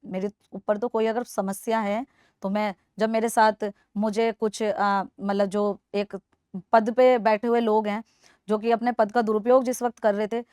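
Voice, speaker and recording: A woman's voice: mid-range voice, level tone, measured pace, a little mellow, smooth, dry recording, studio quality. A woman in her twenties from Delhi, answering a podcast interviewer in an earnest, persuasive way and repeating her points for emphasis. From Delhi, India. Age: 20s. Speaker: interview guest.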